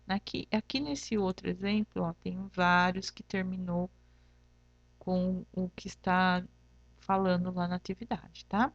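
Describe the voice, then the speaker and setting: In dull audio without echo, the Brazilian Portuguese-accented teacher uses a fairly low, fairly even voice at a measured pace. She patiently leads her remote class through the lesson, asking "tá?" after each point and spelling out examples syllable by syllable.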